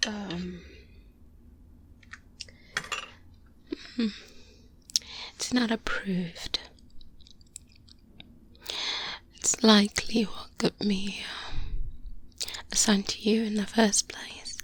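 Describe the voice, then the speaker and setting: A woman playing a confident, wary vampire hunter mentor in a soft-spoken, breathy ASMR roleplay, close to the microphone with hesitant pauses. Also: fairly high pitch, heavily acted. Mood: wry, confident. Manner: slow, hesitant pauses, intimate. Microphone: close-up binaural microphone.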